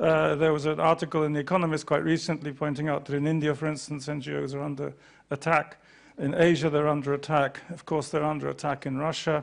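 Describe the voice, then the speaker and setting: A man with a British accent, fairly high pitch, very fast pace and monotone, flat intonation. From Great Britain. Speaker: panel moderator. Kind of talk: conference panel moderation. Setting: conference hall with audience, microphone. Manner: halting, many fillers and restarts.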